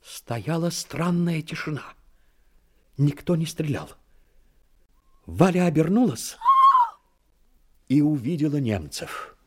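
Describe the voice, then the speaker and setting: A man's voice: a little high, big pitch swings, slow, pauses often, dark tone. A man narrating a war story as a scripted audio drama, in a dramatic style.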